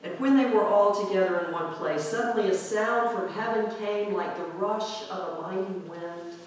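A male pastor with a high voice gives a reflective, conversational sermon indoors in a church sanctuary with a pipe organ, drawing out key words slowly for emphasis. He is recorded by a far camera at the back, so the sound is very echoey and distant.

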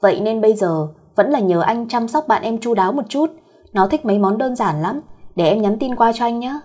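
A woman's voice: a little high, expressive, fairly quick, mellow, breathy edge. A woman voicing a cheeky, teasing, protective young female cousin in a fireside storyteller's audio tale. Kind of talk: acted dialogue in an audio story.

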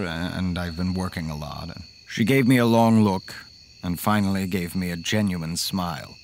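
An actor playing a polite, fussy accountant who tells a horror story in the first person, in a measured way. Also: male voice, low-pitched, slight background noise. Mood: awkwardly polite.

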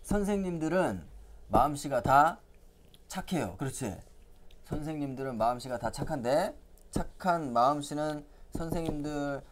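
A man's voice: a little high, lively intonation, moderate pace, slight background noise. Cheerful man teaching kids English words. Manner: cheerful, coaxing quiz questions, frequent chuckles. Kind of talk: playful vocabulary lesson for young children.

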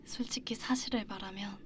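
A woman performing a whispered role-play as an affectionate partner in a long-distance romance, speaking softly and intimately into a close binaural microphone with gentle, halting delivery. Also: medium pitch, natural voice. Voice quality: soft, breathy whisper. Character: affectionate young woman talking to her faraway astronaut partner.

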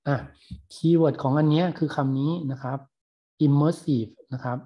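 A man's voice: mid-range voice, fairly even intonation, quick pace, dull audio. A male university lecturer in a recorded online lecture, patiently explaining English words in Thai between clips.

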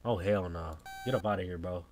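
A man's voice: deep voice, fairly quick, a little mellow, soft background music. A young American man doing casual, slangy game reaction commentary as a streamer, often exclaiming. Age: young adult. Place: indoor room at home.

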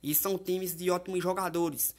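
A man's voice: sits high, steady tone, normal speed. A Brazilian man presenting casual football betting commentary as a tipster, talking to viewers in a familiar, colloquial way. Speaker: sports betting tipster and host.

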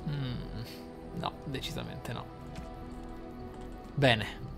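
A man commentating his game playthrough, thinking aloud in a deliberate, theatrical way with dramatic pauses. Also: mid-range voice, gravelly. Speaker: gaming YouTuber, player. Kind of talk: game playthrough commentary with role-play musing. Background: game music.

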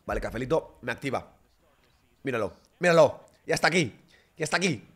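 Excitable young man reacting to basketball. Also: mid-range voice, a little fast, breathy edge. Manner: excitable, bursts into shouts. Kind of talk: live reaction commentary.

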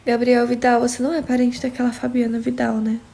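A woman's voice: on the high side, completely flat delivery, a little fast, gravelly, warm tone. A young woman from Brazil with a São Paulo accent, casually chatting on a phone livestream and answering viewers by name. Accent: São Paulo Portuguese. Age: young adult. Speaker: livestream host. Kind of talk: casual live chat reading viewer comments.

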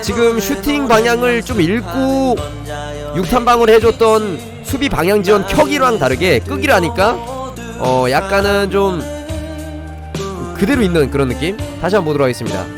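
High-pitched and animated, this man keeps a moderate pace as he streams. Music plays behind him while he commentates and teaches a game live, talking to his audience and thanking donors.

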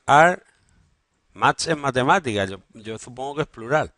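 A man's voice: mid-range voice, expressive, moderate pace, fairly bright tone, no room sound, clean studio sound. A man teaching English grammar in a classroom, teasing and bantering with his students. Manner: banters and teases students, joking about football. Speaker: secondary school English teacher. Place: school classroom.

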